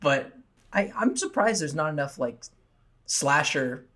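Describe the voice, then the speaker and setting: A man's voice: on the high side, animated, a little slow, crowd noise. A young man co-hosting a podcast, talking in a loose, rambling, jokey way. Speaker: podcast co-host. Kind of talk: casual podcast chat.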